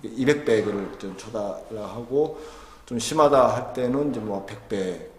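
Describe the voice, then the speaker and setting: A man's voice: fairly low pitch, a little slow. Middle-aged man explaining in echoey room. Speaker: farmer and cooperative member being interviewed. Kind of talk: informal explanatory interview answers. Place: indoor room by windows. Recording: echoey room, faint background noise.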